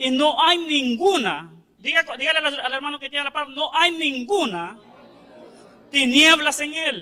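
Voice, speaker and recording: A man talks loudly at an extremely high pitch, with ordinary pitch variation. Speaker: preacher. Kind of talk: sermon. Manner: trying to speak loudly. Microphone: too quiet.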